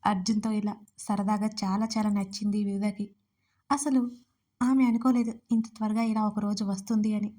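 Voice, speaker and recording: A woman's voice: medium pitch, flat delivery, moderate pace, dark tone. A woman narrating a romantic story and reading both lovers' lines herself. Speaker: writer and narrator.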